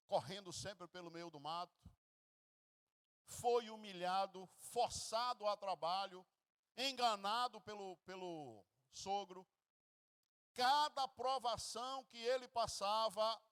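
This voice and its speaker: A Brazilian pastor preaching, his voice pitched high for a man. He acts out the stories, swinging from near-whispers to loud cries. The sound is dry and close, with no room echo. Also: clear, resonant tone. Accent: Brazilian Portuguese. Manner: dramatic storytelling, acting out scenes with sudden loud bursts and hushed passages. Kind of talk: sermon.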